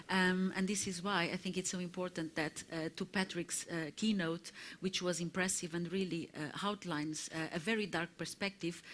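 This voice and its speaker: Low-voiced woman speaking at a conference. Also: slight background noise. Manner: halting, with many "uh" fillers and restarts. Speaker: corporate public affairs speaker. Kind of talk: conference panel remarks. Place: conference hall.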